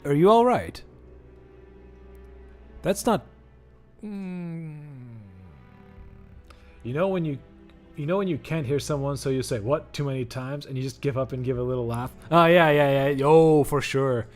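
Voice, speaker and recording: A man's voice: on the high side, measured pace, long pauses, darkish tone, faint music behind. A young Portuguese man with a Portuguese accent, rambling and joking as he streams a game. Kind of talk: let's-play commentary.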